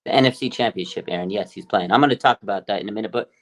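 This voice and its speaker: A man's voice: fairly low pitch, rapid-fire, a bit bright. A man co-hosting a casual sports podcast, talking in an emphatic, enthusiastic way. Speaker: podcast co-host.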